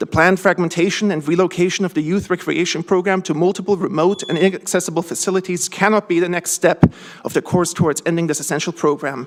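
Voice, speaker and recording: A man's very fast, high-pitched voice with a non-native accent and fairly even intonation, over noticeable background noise. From abroad, raised in Redmond area, Washington from childhood. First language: not English. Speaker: public commenter at council meeting. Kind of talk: prepared public comment. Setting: council chamber podium.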